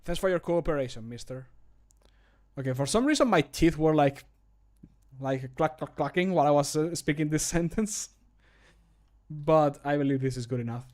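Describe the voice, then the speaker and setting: A man's voice: a little high, expressive, moderate pace, darkish tone. A man in his thirties chatting casually on a livestream while he works, thinking aloud with self-deprecating remarks and some swearing. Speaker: streamer recording game mod voice lines. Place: small home room, indoors.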